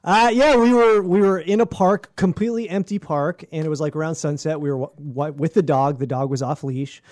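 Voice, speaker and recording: A man with a fairly high voice tells a story in casual podcast chat. He swears freely and acts out what people said. His delivery is lively and animated. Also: a little fast. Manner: profane, animated storytelling with acted-out quotes.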